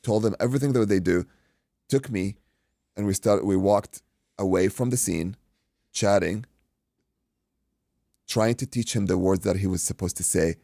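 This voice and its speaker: A man from Iraq, a boxing coach and guest, telling an animated story in casual chat, acting out quotes and swearing freely. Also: lowish voice, normal speed, gravelly, long pauses, no echo, clean studio sound.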